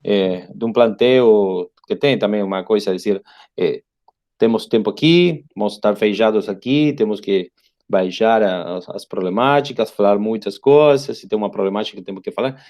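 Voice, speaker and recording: A middle-aged Argentine professor, a native Spanish speaker, lectures informally in a halting mix of Portuguese and Spanish, repeating words and adding tag questions. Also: male voice, on the low side, darkish tone. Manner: often ends phrases with a tag question. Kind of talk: informal online lecture and discussion.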